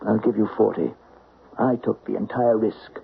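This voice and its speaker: A man's voice: on the low side, normal speed, gravelly. A man playing a hard, businesslike jewel thief in a radio mystery, speaking tersely and bluntly. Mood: hard bargaining. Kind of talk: old-time radio mystery acting. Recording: muffled vintage radio broadcast, faint hiss.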